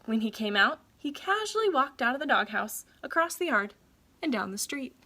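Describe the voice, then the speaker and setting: A woman reads a children's storybook aloud in a very bright, slightly high voice. She works as a teacher would, shaping each phrase with care and a sense of drama for young listeners. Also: sing-song, normal speed, slight background noise. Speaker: teacher reading aloud to pupils.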